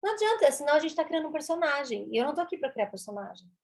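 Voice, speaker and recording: Mineira lady, speech therapist guest, kinda high voice, explains stuff all lively and repeats herself for emphasis. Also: racing. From Brazil. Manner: animated, repeats words for emphasis. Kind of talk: explanatory interview talk.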